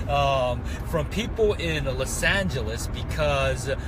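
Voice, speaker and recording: Noticeable background noise behind a man's dry, echo-free voice. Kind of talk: casual vlog chat. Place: car.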